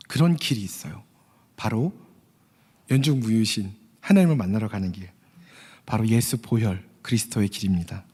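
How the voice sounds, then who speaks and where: A man's voice: mid-range voice, dark tone, breathy edge, big-room sound. A man preaching an earnest sermon, addressing the congregation directly and telling a story with quoted voices. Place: church hall.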